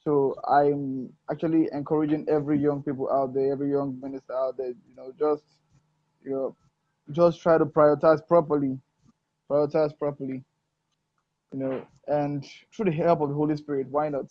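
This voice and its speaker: A man from Africa, a gospel singer, talking in a casual interview with an earnest, preacherly manner, often pausing on "um" and "you know". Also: on the high side, level tone, no room sound. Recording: muffled dull sound, dry.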